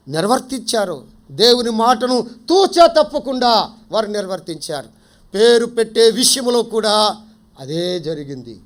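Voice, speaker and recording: A man preaching a sermon in a prayer house, often quizzing the congregation and repeating key phrases. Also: sits high.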